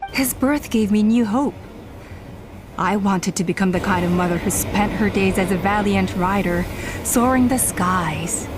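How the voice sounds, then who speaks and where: An actress playing a proud, scheming middle-aged tribal elder and mother who speaks in a calm, commanding, persuasive way in a video game. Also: medium pitch, unhurried, over music, lightly acted. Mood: sorrowful. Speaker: tribe elder.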